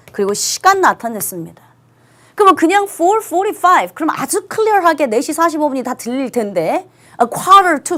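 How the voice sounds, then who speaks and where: With a fairly bright tone, a woman leads an online English class for high schoolers, stressing her words emphatically and stretching out the accented English ones.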